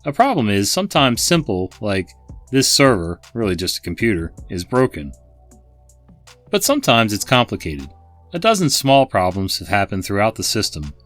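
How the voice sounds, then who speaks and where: A man's voice: lowish voice, wildly swooping pitch, moderate pace, fairly bright tone, faint music behind. A man hosting a channel, reading online stories aloud with chatty asides to his viewers. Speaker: host and narrator.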